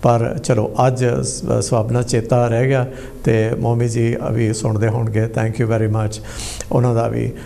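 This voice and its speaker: A man hosting a phone-in memories show in a TV studio, chatting in an unhurried, reminiscing way with frequent hesitations. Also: medium pitch, flat delivery, vocal fry, warm tone. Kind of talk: casual broadcast chat.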